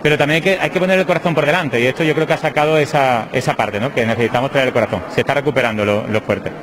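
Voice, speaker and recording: A man in his thirties, a parish priest, talks fast and from the heart into a reporter's handheld mic. Clear chapel ambience sits behind him. He is inside a small whitewashed chapel by the altar. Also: mid-range voice, noisy background. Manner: fast, heartfelt, thinking aloud. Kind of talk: interview answers.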